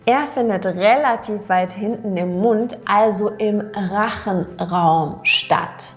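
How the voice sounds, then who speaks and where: A woman teaching pronunciation, speaking in clear, carefully articulated scripted narration and demonstrating sounds and example words. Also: mid-range voice, takes it slowly, faint music behind.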